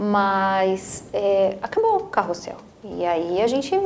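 Noticeable background noise and audible room echo around a woman's speech. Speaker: stage actress. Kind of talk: interview conversation.

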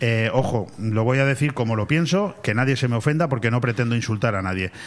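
A man at medium pitch with lively intonation and a moderate pace, over noticeable background noise. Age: 50s. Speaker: radio host. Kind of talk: casual chat. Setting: studio.

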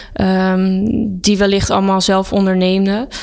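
A woman with a medium-pitched voice speaks while noticeable background noise runs underneath. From Netherlands, Castricum. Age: 30s. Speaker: guesthouse owner. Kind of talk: interview. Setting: on location at guesthouse.

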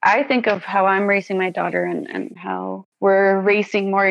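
A woman speaks with a Spanish accent at a moderate pace. She hardly pauses at all. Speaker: college student. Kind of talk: casual discussion.

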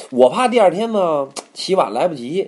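A man's animated voice with very wide pitch swings. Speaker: podcast host. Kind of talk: storytelling.

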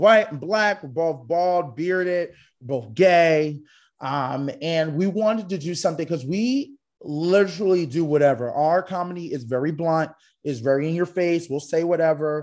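A man with an American accent speaks at a moderate pace in a high voice with ordinary pitch variation. The background is quiet. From Philadelphia, US. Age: 30s. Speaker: reality TV contestant. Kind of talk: interview. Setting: video call.

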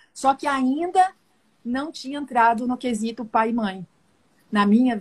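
A woman speaks at a fairly high pitch in an unremarkable speaking voice. Her pace is moderate and her pitch varies in an ordinary way. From Brazil, São Paulo. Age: 50s. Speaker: family constellation therapist. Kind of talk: live stream interview.

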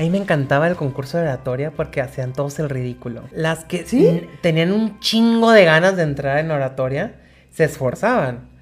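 Music plays in the background of this animated delivery at a moderate pace. The intonation is lively, and there are hardly any pauses. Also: woman, very deep, low pitch for a woman. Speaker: podcast co-host. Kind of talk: casual chat.

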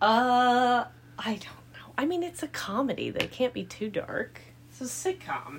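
The speaker has an American accent and a fairly slow pace. Loudness swings widely from moment to moment. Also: woman. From Indianapolis, US Midwest. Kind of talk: casual chat.

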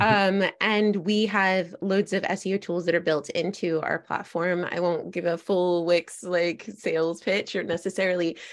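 This woman has a plain, everyday voice, pitched fairly low, with fairly even intonation. She keeps a moderate pace with hardly any pauses. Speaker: SEO communications lead. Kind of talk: panel discussion. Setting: video call.

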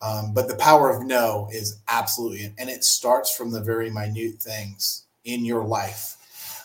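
A man's somewhat breathy, medium-pitched voice at a fairly slow pace, with hardly any pauses and fairly even intonation. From small town. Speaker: video production company owner. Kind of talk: casual interview.

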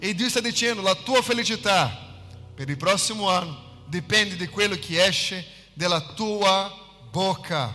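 A man's raised, projected voice, high in pitch, at a fairly slow pace with ordinary pitch variation. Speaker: pastor. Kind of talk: sermon. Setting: church. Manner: animated.

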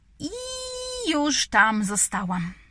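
Bright, sharp female voice on a very clean recording with a silent background. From Poland, Lower Silesia (Bogatynia). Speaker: podcaster. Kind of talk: casual monologue. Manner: animated.

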